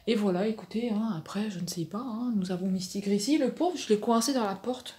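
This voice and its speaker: A woman's voice: medium pitch, brisk, mellow, breathy edge. A woman in her thirties vlogging casually from home, rambling with lots of hesitations, recorded on a phone's microphone. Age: 30s. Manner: rambling, hesitant, full of fillers and restarts. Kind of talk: casual vlog chat to camera.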